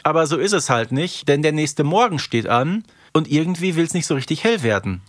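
A man's voice: on the high side, sing-song, brisk, no echo, clean studio sound. A man co-hosting a podcast, recapping casually and colloquially, often ending on a questioning tag. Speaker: podcast co-host. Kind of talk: casual recap and review chat.

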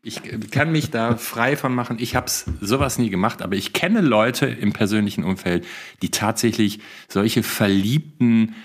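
A man's voice: fairly low pitch, moderate pace, slightly rough. A man with a German accent, co-hosting a podcast in casual chat, rambling a little with restarts. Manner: chatty, rambling with restarts, laughs often. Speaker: podcast co-host.

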